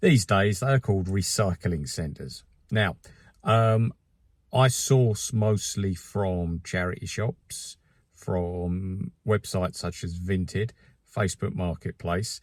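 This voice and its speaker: A man with an English accent, fairly low in pitch, at a very slow pace on a very clean recording with a silent background. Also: ordinary pitch variation. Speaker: online reseller. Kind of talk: casual vlog commentary. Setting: charity shops. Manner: soft-spoken in shops. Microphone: sound issue, too quiet.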